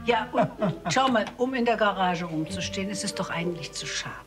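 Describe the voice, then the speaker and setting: A woman's voice: mid-range voice, expressive, brisk, over music, lightly acted. A woman acting as an affectionate, persuasive older wife in a naturalistic TV drama, chatty and coaxing.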